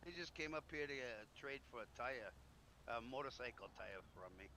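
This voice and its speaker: A man's voice: mid-range voice, animated, moderate pace, over a noisy crowd. A man chatting in character in an online roleplay game, explaining things in a chatty way. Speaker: roleplay gamer playing a trader. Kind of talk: improvised in-character casual chat. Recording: noisy game voice chat.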